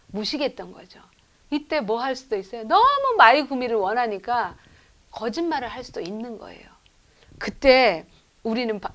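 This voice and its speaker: A middle-aged woman professor giving a church education lecture, telling lively stories and asking the audience rhetorical questions. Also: fairly high pitch. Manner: acts out children's lines in quotes. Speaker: professor lecturing at a lay school.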